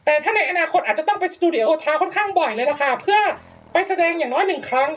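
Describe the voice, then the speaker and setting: A woman's voice: high-pitched, expressive, quick pace, slight background noise. A young woman streamer giving chatty, polite gameplay commentary, laughing often and reacting with exaggerated dismay. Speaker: VTuber streamer.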